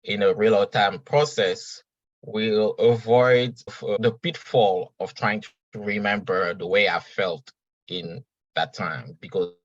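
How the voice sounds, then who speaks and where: Deep-voiced man. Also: steady tone, slow pace, no echo, highs cut off. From Senegal. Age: 30s. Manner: reflective, earnest, talks at an uneven pace. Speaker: podcast guest. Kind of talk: casual conversational interview.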